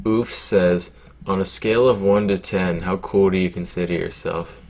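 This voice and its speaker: Deep-voiced deadpan guy answering questions. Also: normal speed. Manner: deadpan, low-key, sounds glum by his own account; rambling with many fillers and swearing. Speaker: YouTuber answering viewer questions. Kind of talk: casual Q&A chat.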